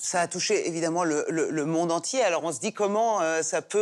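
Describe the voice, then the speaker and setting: Her voice is a plain, everyday voice, fairly low for a woman, with ordinary pitch variation at a moderate pace. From France, arrived from Iran at age 10. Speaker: author and actress. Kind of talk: panel discussion.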